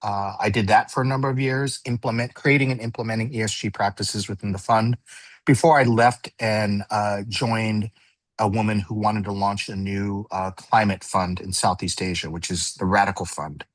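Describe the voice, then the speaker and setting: A man in his fifties with an American accent, giving a relaxed, chatty self-introduction on a live online panel with plenty of "uh"s. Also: on the low side, normal speed, dry recording. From United States. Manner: relaxed, chatty, hesitant with many fillers. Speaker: venture capital panelist.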